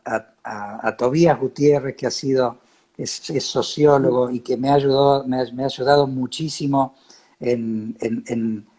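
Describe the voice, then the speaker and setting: Husky, halting Argentine man hosting. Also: mid-range voice, darkish tone. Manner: halting, repeats words as he searches for phrasing. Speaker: host of a talk series. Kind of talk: casual, reflective chat.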